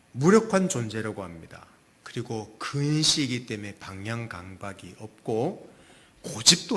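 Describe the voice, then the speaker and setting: Lively-voiced male pastor preaching. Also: mid-range voice. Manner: relaxed, conversational preaching with asides. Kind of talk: Sunday sermon.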